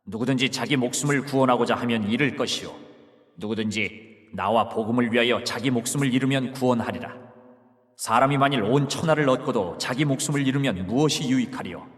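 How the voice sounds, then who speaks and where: An actor playing Jesus as a grave, authoritative teacher in a dramatized scripture reading, speaking in a solemn, measured way. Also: male voice, medium pitch, natural voice. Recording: long hall reverb.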